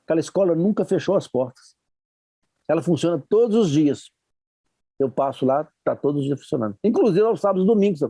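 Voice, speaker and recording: An older man with a Brazilian Portuguese accent telling a story in an online workshop, acting out the dialogue in a lively way. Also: a little high, fairly quick, no echo. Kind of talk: storytelling talk. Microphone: online workshop mic.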